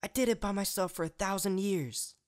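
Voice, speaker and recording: A man's voice: sits high, brisk, pitched above the performer's own voice, close to an everyday voice. A man voicing a regal pony princess, stern, commanding and full of grief, in a story reading. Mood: furious. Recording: faint music behind the voice.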